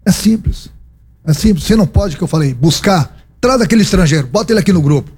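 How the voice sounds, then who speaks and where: A man with a Brazilian accent fields reporters' questions as a football coach. His voice is husky and mellow, sitting slightly high. He is emphatic, repeating his phrases and firing off rhetorical questions. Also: expressive, fast. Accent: Brazilian Portuguese. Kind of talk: post-match press conference answers.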